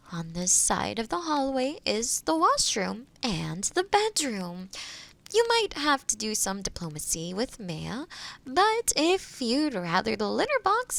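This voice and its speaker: A gentle, solitary witch of the woods voiced by a woman talks to the listener in a fantasy audio roleplay. Her voice is fairly high and soft, with a breathy edge and plenty of creak. She takes her time, choosing formal, old-fashioned words with curious, thoughtful courtesy. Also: full character voice.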